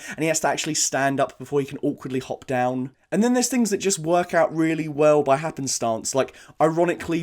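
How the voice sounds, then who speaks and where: A man's voice: medium pitch, darkish tone. A man narrating a scripted video essay in a casual, enthusiastic and emphatic manner.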